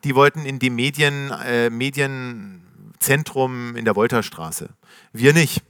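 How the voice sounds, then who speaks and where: A middle-aged man telling his founder story to a live audience in a casual, slangy, animated way, acting out the voices of the people he quotes. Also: medium pitch, takes it slowly, dry recording, clean studio sound. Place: stage before a live audience.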